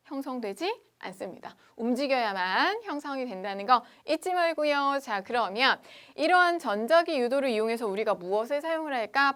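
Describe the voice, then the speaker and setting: Chatty woman science teacher, high voice. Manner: lively, chatty, asks students questions. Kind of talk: online lecture.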